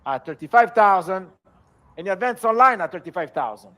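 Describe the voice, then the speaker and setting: Male auctioneer, notably high voice. Formal lot presentations, steady repeated bid calls to a live sale. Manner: auctioneer delivery, repetitive, measured bid calls.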